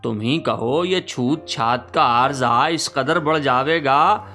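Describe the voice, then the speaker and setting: A man's voice: medium pitch, pushed and bright, soft background music. A man playing a witty, lamenting nineteenth-century poet reading his letter aloud in archaic, courtly, theatrical phrasing. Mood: wry, bemused. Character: Mirza Ghalib, witty lamenting 19th-century Urdu poet writing a letter.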